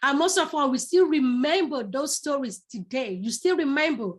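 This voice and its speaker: A middle-aged woman from Nigeria with a Yoruba accent leads a public speaking masterclass, talking straight to her audience. Her voice sits high, and she stresses her points by repeating words several times over. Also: lively intonation, moderate pace. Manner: repeats words for emphasis, addresses the audience directly. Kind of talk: live online masterclass.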